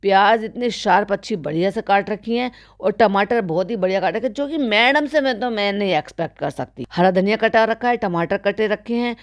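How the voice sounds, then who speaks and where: A woman's voice: mid-range voice, moderate pace, hardly any pauses. A woman giving mocking reaction commentary as a vlogger, with sarcastic, teasing asides.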